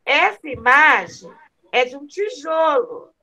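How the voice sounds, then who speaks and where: A woman teacher with a Brazilian Portuguese accent, giving a remote literacy lesson to a young child over a call, drilling syllables slowly in a sing-song way. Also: high-pitched, big pitch swings, bright, forceful tone.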